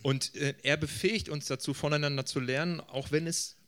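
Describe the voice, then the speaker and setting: A man's voice: on the high side, steady tone, a little fast, a bit bright. A man working as a church interpreter, relaying a speaker's address informally in short consecutive phrases.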